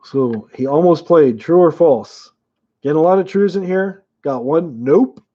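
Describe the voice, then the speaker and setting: A man's voice: on the high side, unhurried, dull audio. A man casually hosting a live-chat trivia game, chuckling often and reading viewers' names aloud.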